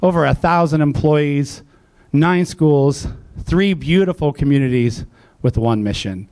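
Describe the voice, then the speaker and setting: A man's voice: on the high side, measured pace, a little mellow. A man, a school district leader, giving a speech into a mic at a live event, full of fillers and restarts. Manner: hesitant with many fillers and restarts. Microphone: handheld or podium mic.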